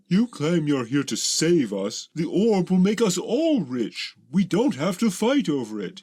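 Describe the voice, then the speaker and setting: A man in a high, put-on character voice goes fairly slowly with very wide pitch swings and hardly any pauses. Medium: actual play.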